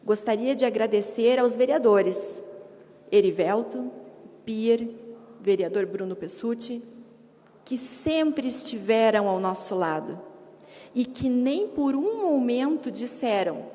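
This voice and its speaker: A woman's voice: a little high, expressive, slow pace, warm tone. A woman gives a formal advocacy speech to a council, emphatic and rhetorical, in short repeated phrases. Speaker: advocate addressing city council. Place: council chamber. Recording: echoey hall reverb.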